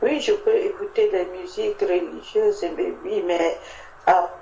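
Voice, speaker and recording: Female church member, informal testimony, slow halting delivery, muffled echoey recording. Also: medium pitch, steady tone, creaky, mellow, slight background noise. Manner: halting, repetitive, searching for words. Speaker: church member sharing at a Bible meeting.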